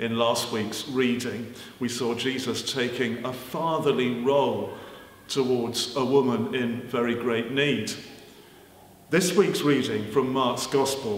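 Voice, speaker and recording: A man talks fairly slowly, with audible room echo around him. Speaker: preacher. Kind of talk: sermon. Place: church. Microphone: podium.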